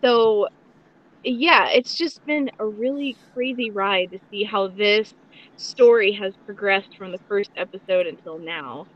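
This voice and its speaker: A woman's voice: mid-range voice, measured pace, dull audio. A woman guest hosting a podcast, chatting casually in a gushing, rambling, informal way. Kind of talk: casual excited podcast chat.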